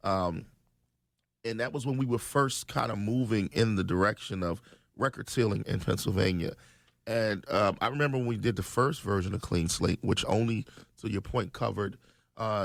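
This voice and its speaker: Gravelly man, radio guest. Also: lowish voice, normal speed, no room sound. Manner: earnest, many ums and restarts. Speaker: state legislator guest. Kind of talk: conversational radio interview. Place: radio studio.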